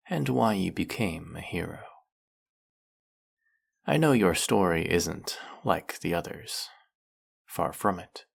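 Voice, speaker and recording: An actor playing a suave snake-headed male villain who teases his captive in an audio roleplay, with a slow, mocking, silky manner. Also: low voice, gravelly, exaggerated voice. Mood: flirtatious.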